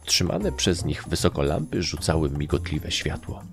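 A man narrating a story in a deep, gravelly voice. His pitch swings widely as he reads, and he pushes his voice up for the characters. Faint music plays under the reading. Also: normal speed. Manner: lively storytelling, shifts into raised voices for characters. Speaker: audiobook narrator. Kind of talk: dramatic audiobook reading with acted voices.

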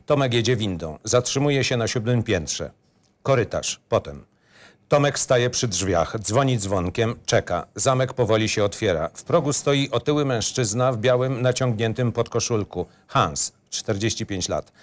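A man's voice: mid-range voice, expressive, moderate pace. A man narrating a screenplay in clipped, matter-of-fact phrases.

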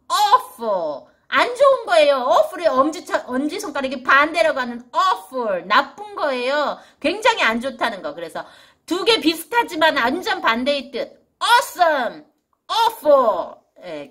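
A woman's voice: sits high, sharp tone. A middle-aged woman giving a casual spoken vocabulary lesson for parents, stretching out and repeating English words as she explains them in a chatty way.

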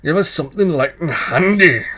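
Brief: loud, sharp fairy changeling brat, wicked and wizened, bossy, played by a man. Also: a little high, expressive, moderate pace, slightly rough, pitched above the performer's own voice, exaggerated voice. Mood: bossy, gleeful.

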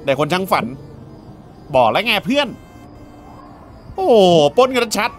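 A man's voice: high-pitched, sing-song, measured pace, fairly bright tone, faint music behind. A man playing through a video game, joking around and reading the dialogue aloud as he goes. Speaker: gaming YouTuber. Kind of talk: let's play commentary.

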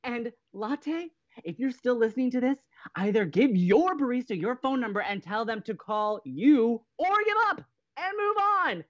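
A woman playing an anxious, stubborn young college radio host in an audio drama, with a flustered, halting, emphatic way of talking. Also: on the high side, big pitch swings, highs cut off. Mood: exasperated. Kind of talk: naturalistic audio drama acting.

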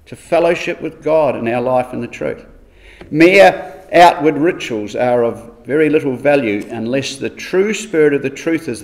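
A man giving an earnest Bible study exhortation, measured and steady, asking rhetorical questions as he works through the verses. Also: a little high, vocal fry.

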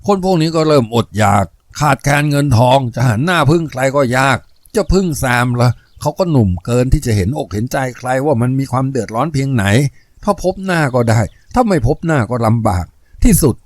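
A man's voice: mid-range voice, animated, brisk, dry recording, lightly acted. A man voicing a scheming, lustful gangster boss in a spoken novel, sly and complaining.

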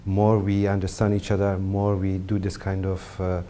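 A middle-aged man from Afghanistan, a photographer, speaking English as a second language in a halting interview to camera with many pauses and fillers. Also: deep voice, monotone, dark tone, a little hiss or hum. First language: not English. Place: indoor studio set with brick wall.

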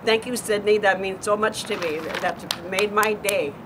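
A woman's voice: mid-range voice, steady tone, normal speed, a crowd in the background. A woman in her seventies, chatting earnestly in a backyard, often repeating words as she thinks, filmed by a distant camera. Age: 70s. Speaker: neighbor answering viewer questions. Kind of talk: casual outdoor chat. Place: backyard lawn by a wall, outdoors. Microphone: far camera. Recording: outdoor noise, distant camera mic.

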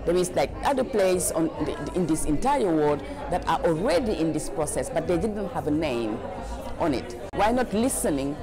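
A woman's voice: deep voice, very animated, moderate pace, music in the background, a crowd in the background. A woman from Senegal, an activist, speaking earnestly in a documentary interview in an office. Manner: earnest, building intensity with repetition. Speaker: activist and board member. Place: indoor office with plants.

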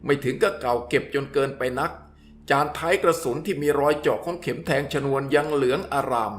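A man reading a scripted story in a steady, descriptive way, as the storyteller. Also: a little high, fairly quick.

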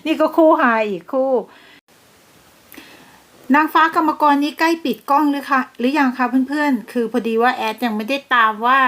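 A woman's voice: high voice, a bit bright. A woman hosting a celebrity gossip channel, chatting and gushing with frequent exclamations. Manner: gushing, exclaims and laughs often.

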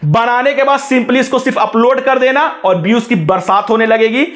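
A man with a very high-pitched, slightly bright voice hosts a tech tutorial at normal speed, narrating over a phone screen recording. He instructs as he demonstrates each step, repeatedly telling viewers to "look."

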